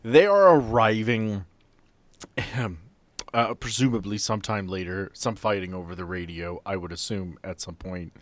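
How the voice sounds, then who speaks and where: A man narrating an improvised tabletop horror game as game master, with theatrical storytelling and dramatic pauses. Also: on the low side, no echo. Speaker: game master, podcast host.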